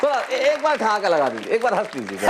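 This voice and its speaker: A man's voice: sits high, background noise. A man hosting a comic poetry show, teasing his guest, laughing often and urging him to smile. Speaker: host.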